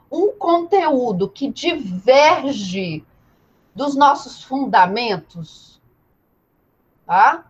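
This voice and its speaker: Brazilian woman teaching an online law class, high pitched, asks and answers her own questions, kinda dull lo-fi sound. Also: slightly rough. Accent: Brazilian Portuguese. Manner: didactic, full of rhetorical questions and repetition. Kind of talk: live online lecture, informal and conversational.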